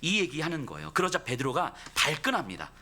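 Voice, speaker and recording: A male pastor preaching with lively, swinging intonation and a bright, forceful tone. He delivers the sermon expressively, slipping into the voices of his figures. His voice sits a little high. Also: quick pace. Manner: expressive, acts out dialogue.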